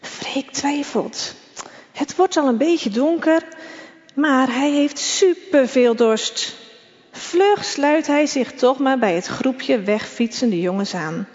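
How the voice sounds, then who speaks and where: A woman reading a children's story aloud in a measured, expressive way, in a reverberant, dull lo-fi recording. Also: high-pitched.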